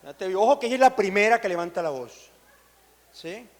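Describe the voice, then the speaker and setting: A man preaches with a strikingly high voice, calling on his congregation to answer him and repeat his phrases. The sound rings with a long church-hall reverb. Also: expressive, brisk. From Colombia. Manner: call-and-response, urging the congregation to repeat phrases. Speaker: pastor. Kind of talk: sermon.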